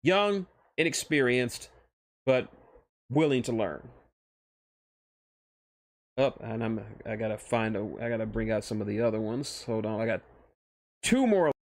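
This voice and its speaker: An animated, medium-pitched man streams casual commentary on his own fictional characters, halting and often starting phrases over as he explains.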